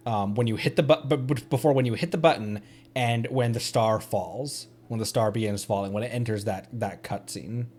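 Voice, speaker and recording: A man's voice: medium pitch, normal speed, a little mellow. A man chatting casually on a livestream during gameplay, easygoing and rambling as he corrects himself. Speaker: livestreamer, VTuber. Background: faint game music.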